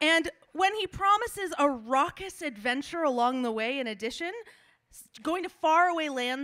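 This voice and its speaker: The speaker is a woman. Little sound is heard behind her. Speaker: presenter. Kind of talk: storytelling talk to an audience. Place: stage. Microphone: handheld.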